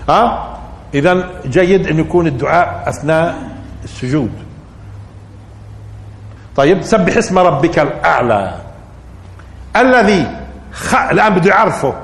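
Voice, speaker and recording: A man teaching Quran commentary, putting questions to his listeners and building up to emphatic peaks. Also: fairly high pitch. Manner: rising to emphatic peaks, asking the audience questions. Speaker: Islamic scholar teaching Quran interpretation. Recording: echoey hall recording.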